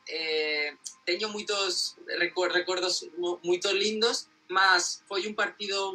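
A Spanish man in his twenties gives casual interview answers with a native Spanish speaker's accent. His voice is slightly high and very bright, and he often pauses to search for words. He sounds a little distant from the mic, with faint music behind. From Spain. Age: 20s. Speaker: interview guest, football fan.

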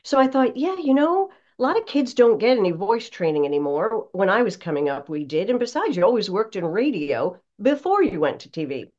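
An older American woman, a broadcast voice coach being interviewed, speaking in an emphatic, polished, conversational way with deliberate phrasing. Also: mid-range voice, sing-song, a little mellow, highs cut off. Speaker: broadcast voice coach, podcast guest.

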